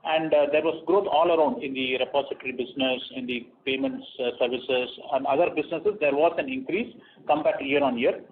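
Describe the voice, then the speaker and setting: A man presents quarterly financial results over a conference call. He speaks in a measured way, with frequent "uh" fillers and restarts. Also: medium pitch. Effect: heard over a conference call line. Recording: tinny phone-line conference call audio.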